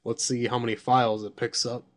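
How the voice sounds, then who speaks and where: A man with a slightly hoarse voice casually reviewing software at his computer, thinking aloud and swearing when surprised. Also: medium pitch, little pitch movement, a little fast.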